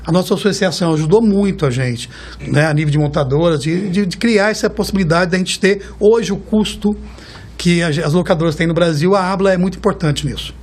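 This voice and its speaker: A Brazilian car rental executive in his fifties, speaking as an interview guest, has a voice a bit higher than most men's and talks a little fast. He tells stories warmly in a loose, chatty flow, constantly checking in with a questioning "right?"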